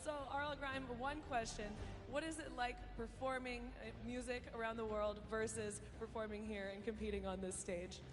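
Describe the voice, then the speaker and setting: A woman's voice: on the high side, fairly even intonation, normal speed, few pauses. A woman interviewing the winning players down on the arena floor, in a bubbly, upbeat way. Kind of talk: post-game player interview. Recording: arena reverb with music.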